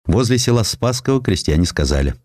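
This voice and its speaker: A man reading a historical sketch as an audiobook narrator, in an expressive, dramatized storytelling manner. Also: lowish voice, brisk, no room sound, clean studio sound. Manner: expressive storytelling, voicing quotations.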